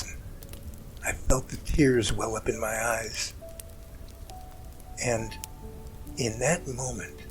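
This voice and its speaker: A man playing an emotional rescuer in an amateur audio drama, recounting events in an earnest, halting, dramatic way. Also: medium pitch, lightly acted, rough recording. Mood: distraught, tearful. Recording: music bed under the voice.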